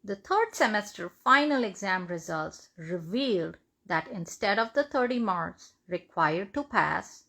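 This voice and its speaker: A woman reads a devotional account aloud, phrase by phrase. Her voice sits at a medium pitch and often drops into audible creak. The delivery is measured, as if following a written page. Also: pushed and bright. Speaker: reader of devotional testimonies. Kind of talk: reading a written first-person story aloud.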